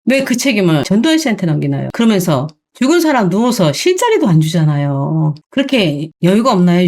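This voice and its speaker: A woman's voice: lowish voice, darkish tone. A woman hosting her own channel, delivering an opinion commentary monologue in an indignant tone full of rhetorical questions. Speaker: channel host.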